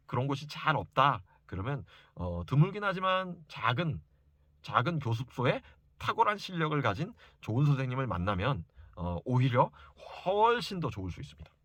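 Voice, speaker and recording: A man's voice: mid-range voice, bright, forceful tone, no echo. A man giving an informal educational talk to parents as a study coach, speaking emphatically and insistently and repeating key points for stress. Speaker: private reading and study coach advising parents.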